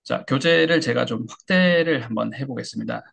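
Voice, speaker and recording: Husky, gravelly man teaching pronunciation. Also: normal speed, fairly bright tone. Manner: explains step by step, models English words with exaggerated pitch; frequent hesitation fillers. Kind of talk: online lecture.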